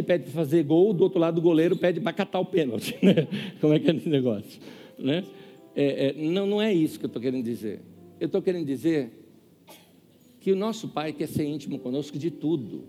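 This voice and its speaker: A man's voice: a little high, long reverb tail. A man preaching a sermon, telling stories and acting out the voices of the people in them. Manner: animated, acts out quoted voices. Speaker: pastor. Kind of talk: sermon with storytelling.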